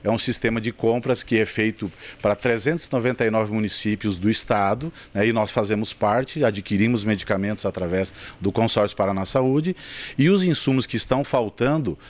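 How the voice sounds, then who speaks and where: A man's voice: on the low side, a little fast. A man in his fifties with a medium voice talks to a reporter in a warehouse storeroom. He speaks conversationally, lists items one by one and often adds a little "you know" to his points. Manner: conversational, listing items, tags with sabe. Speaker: municipal pharmacist. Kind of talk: news interview answer. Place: storeroom of a pharmaceutical depot, indoors. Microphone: handheld reporter mic.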